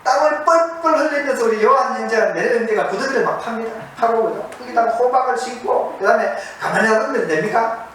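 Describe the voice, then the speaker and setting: A man's voice: very high voice, fairly quick, fairly bright tone. A man preaching a sermon from a monastery to an audience, asking them questions and repeating key words for emphasis. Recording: very echoey, distant mic, faint noise.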